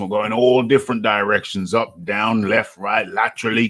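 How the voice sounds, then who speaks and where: The speaker has an English accent and a bright, sharp tone. The pace is moderate. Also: man. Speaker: boxing talk show host. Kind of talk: casual chat.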